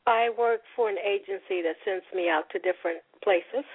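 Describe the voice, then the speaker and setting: Woman caller, husky and breathy, matter-of-fact, heard over a tinny phone line. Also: medium pitch, normal speed. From California. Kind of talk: phone-in questions to a psychic.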